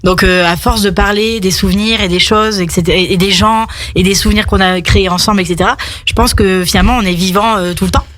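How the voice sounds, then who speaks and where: A woman guest on a radio talk, with a voice of medium pitch and a close, dry sound. She speaks casually, in the manner of someone sharing personal stories. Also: steady tone, quick pace, hardly any pauses, a bit bright, dry recording. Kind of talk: animated personal storytelling, casual chat.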